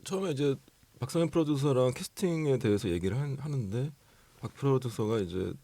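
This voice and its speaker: A man, a film director, explaining his casting choices in an interview in a measured way. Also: mid-range voice, animated, warm tone, no echo.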